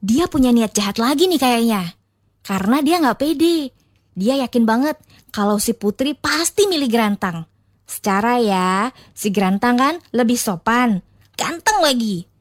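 A woman storyteller narrating a folktale in a casual, expressive, gossipy way with informal asides. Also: fairly high pitch, measured pace, no room sound, clean studio sound.

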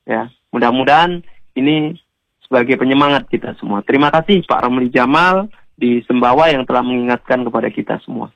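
A man, an Islamic preacher on a radio show, gently exhorting listeners and addressing them directly. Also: mid-range voice, fairly quick, vocal fry, dry recording, lo-fi sound. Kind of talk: radio sermon answering callers.

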